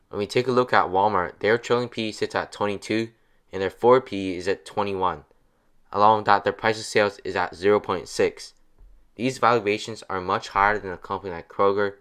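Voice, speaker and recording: A young adult man giving a steady, scripted voice-over that explains stock picks. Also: on the low side, smooth. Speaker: finance channel narrator.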